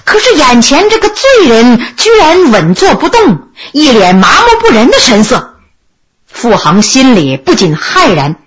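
A woman telling a traditional historical tale in an expressive oral storytelling style, acting out each character. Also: on the high side, a little slow. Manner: expressive, swinging between voices.

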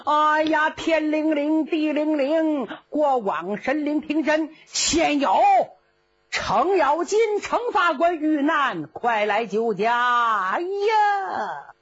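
Brief: a swaggering old general who brags nonstop, played by a woman, high voice swooping widely, dull lo-fi recording. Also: very animated, unhurried, full character voice. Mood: panicked. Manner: bragging, comic bluster. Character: boastful blustering old male general.

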